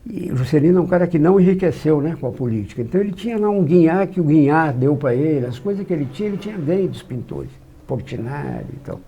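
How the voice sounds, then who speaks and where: A man's voice: fairly high pitch, fast talker, slight background noise. An older man, a journalist from Minas Gerais with its regional accent, telling stories as an interview guest and acting out the dialogue he quotes. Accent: Minas Gerais Brazilian Portuguese. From São João del Rei, Minas Gerais, Brazil. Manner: lively raconteur, acts out quoted dialogue. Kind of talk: anecdotal storytelling.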